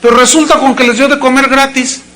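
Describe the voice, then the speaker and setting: A male pastor delivering a sermon to a congregation, with dramatic acted quotes and sudden shouts. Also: very high voice, steady tone, brisk. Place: church service before a congregation.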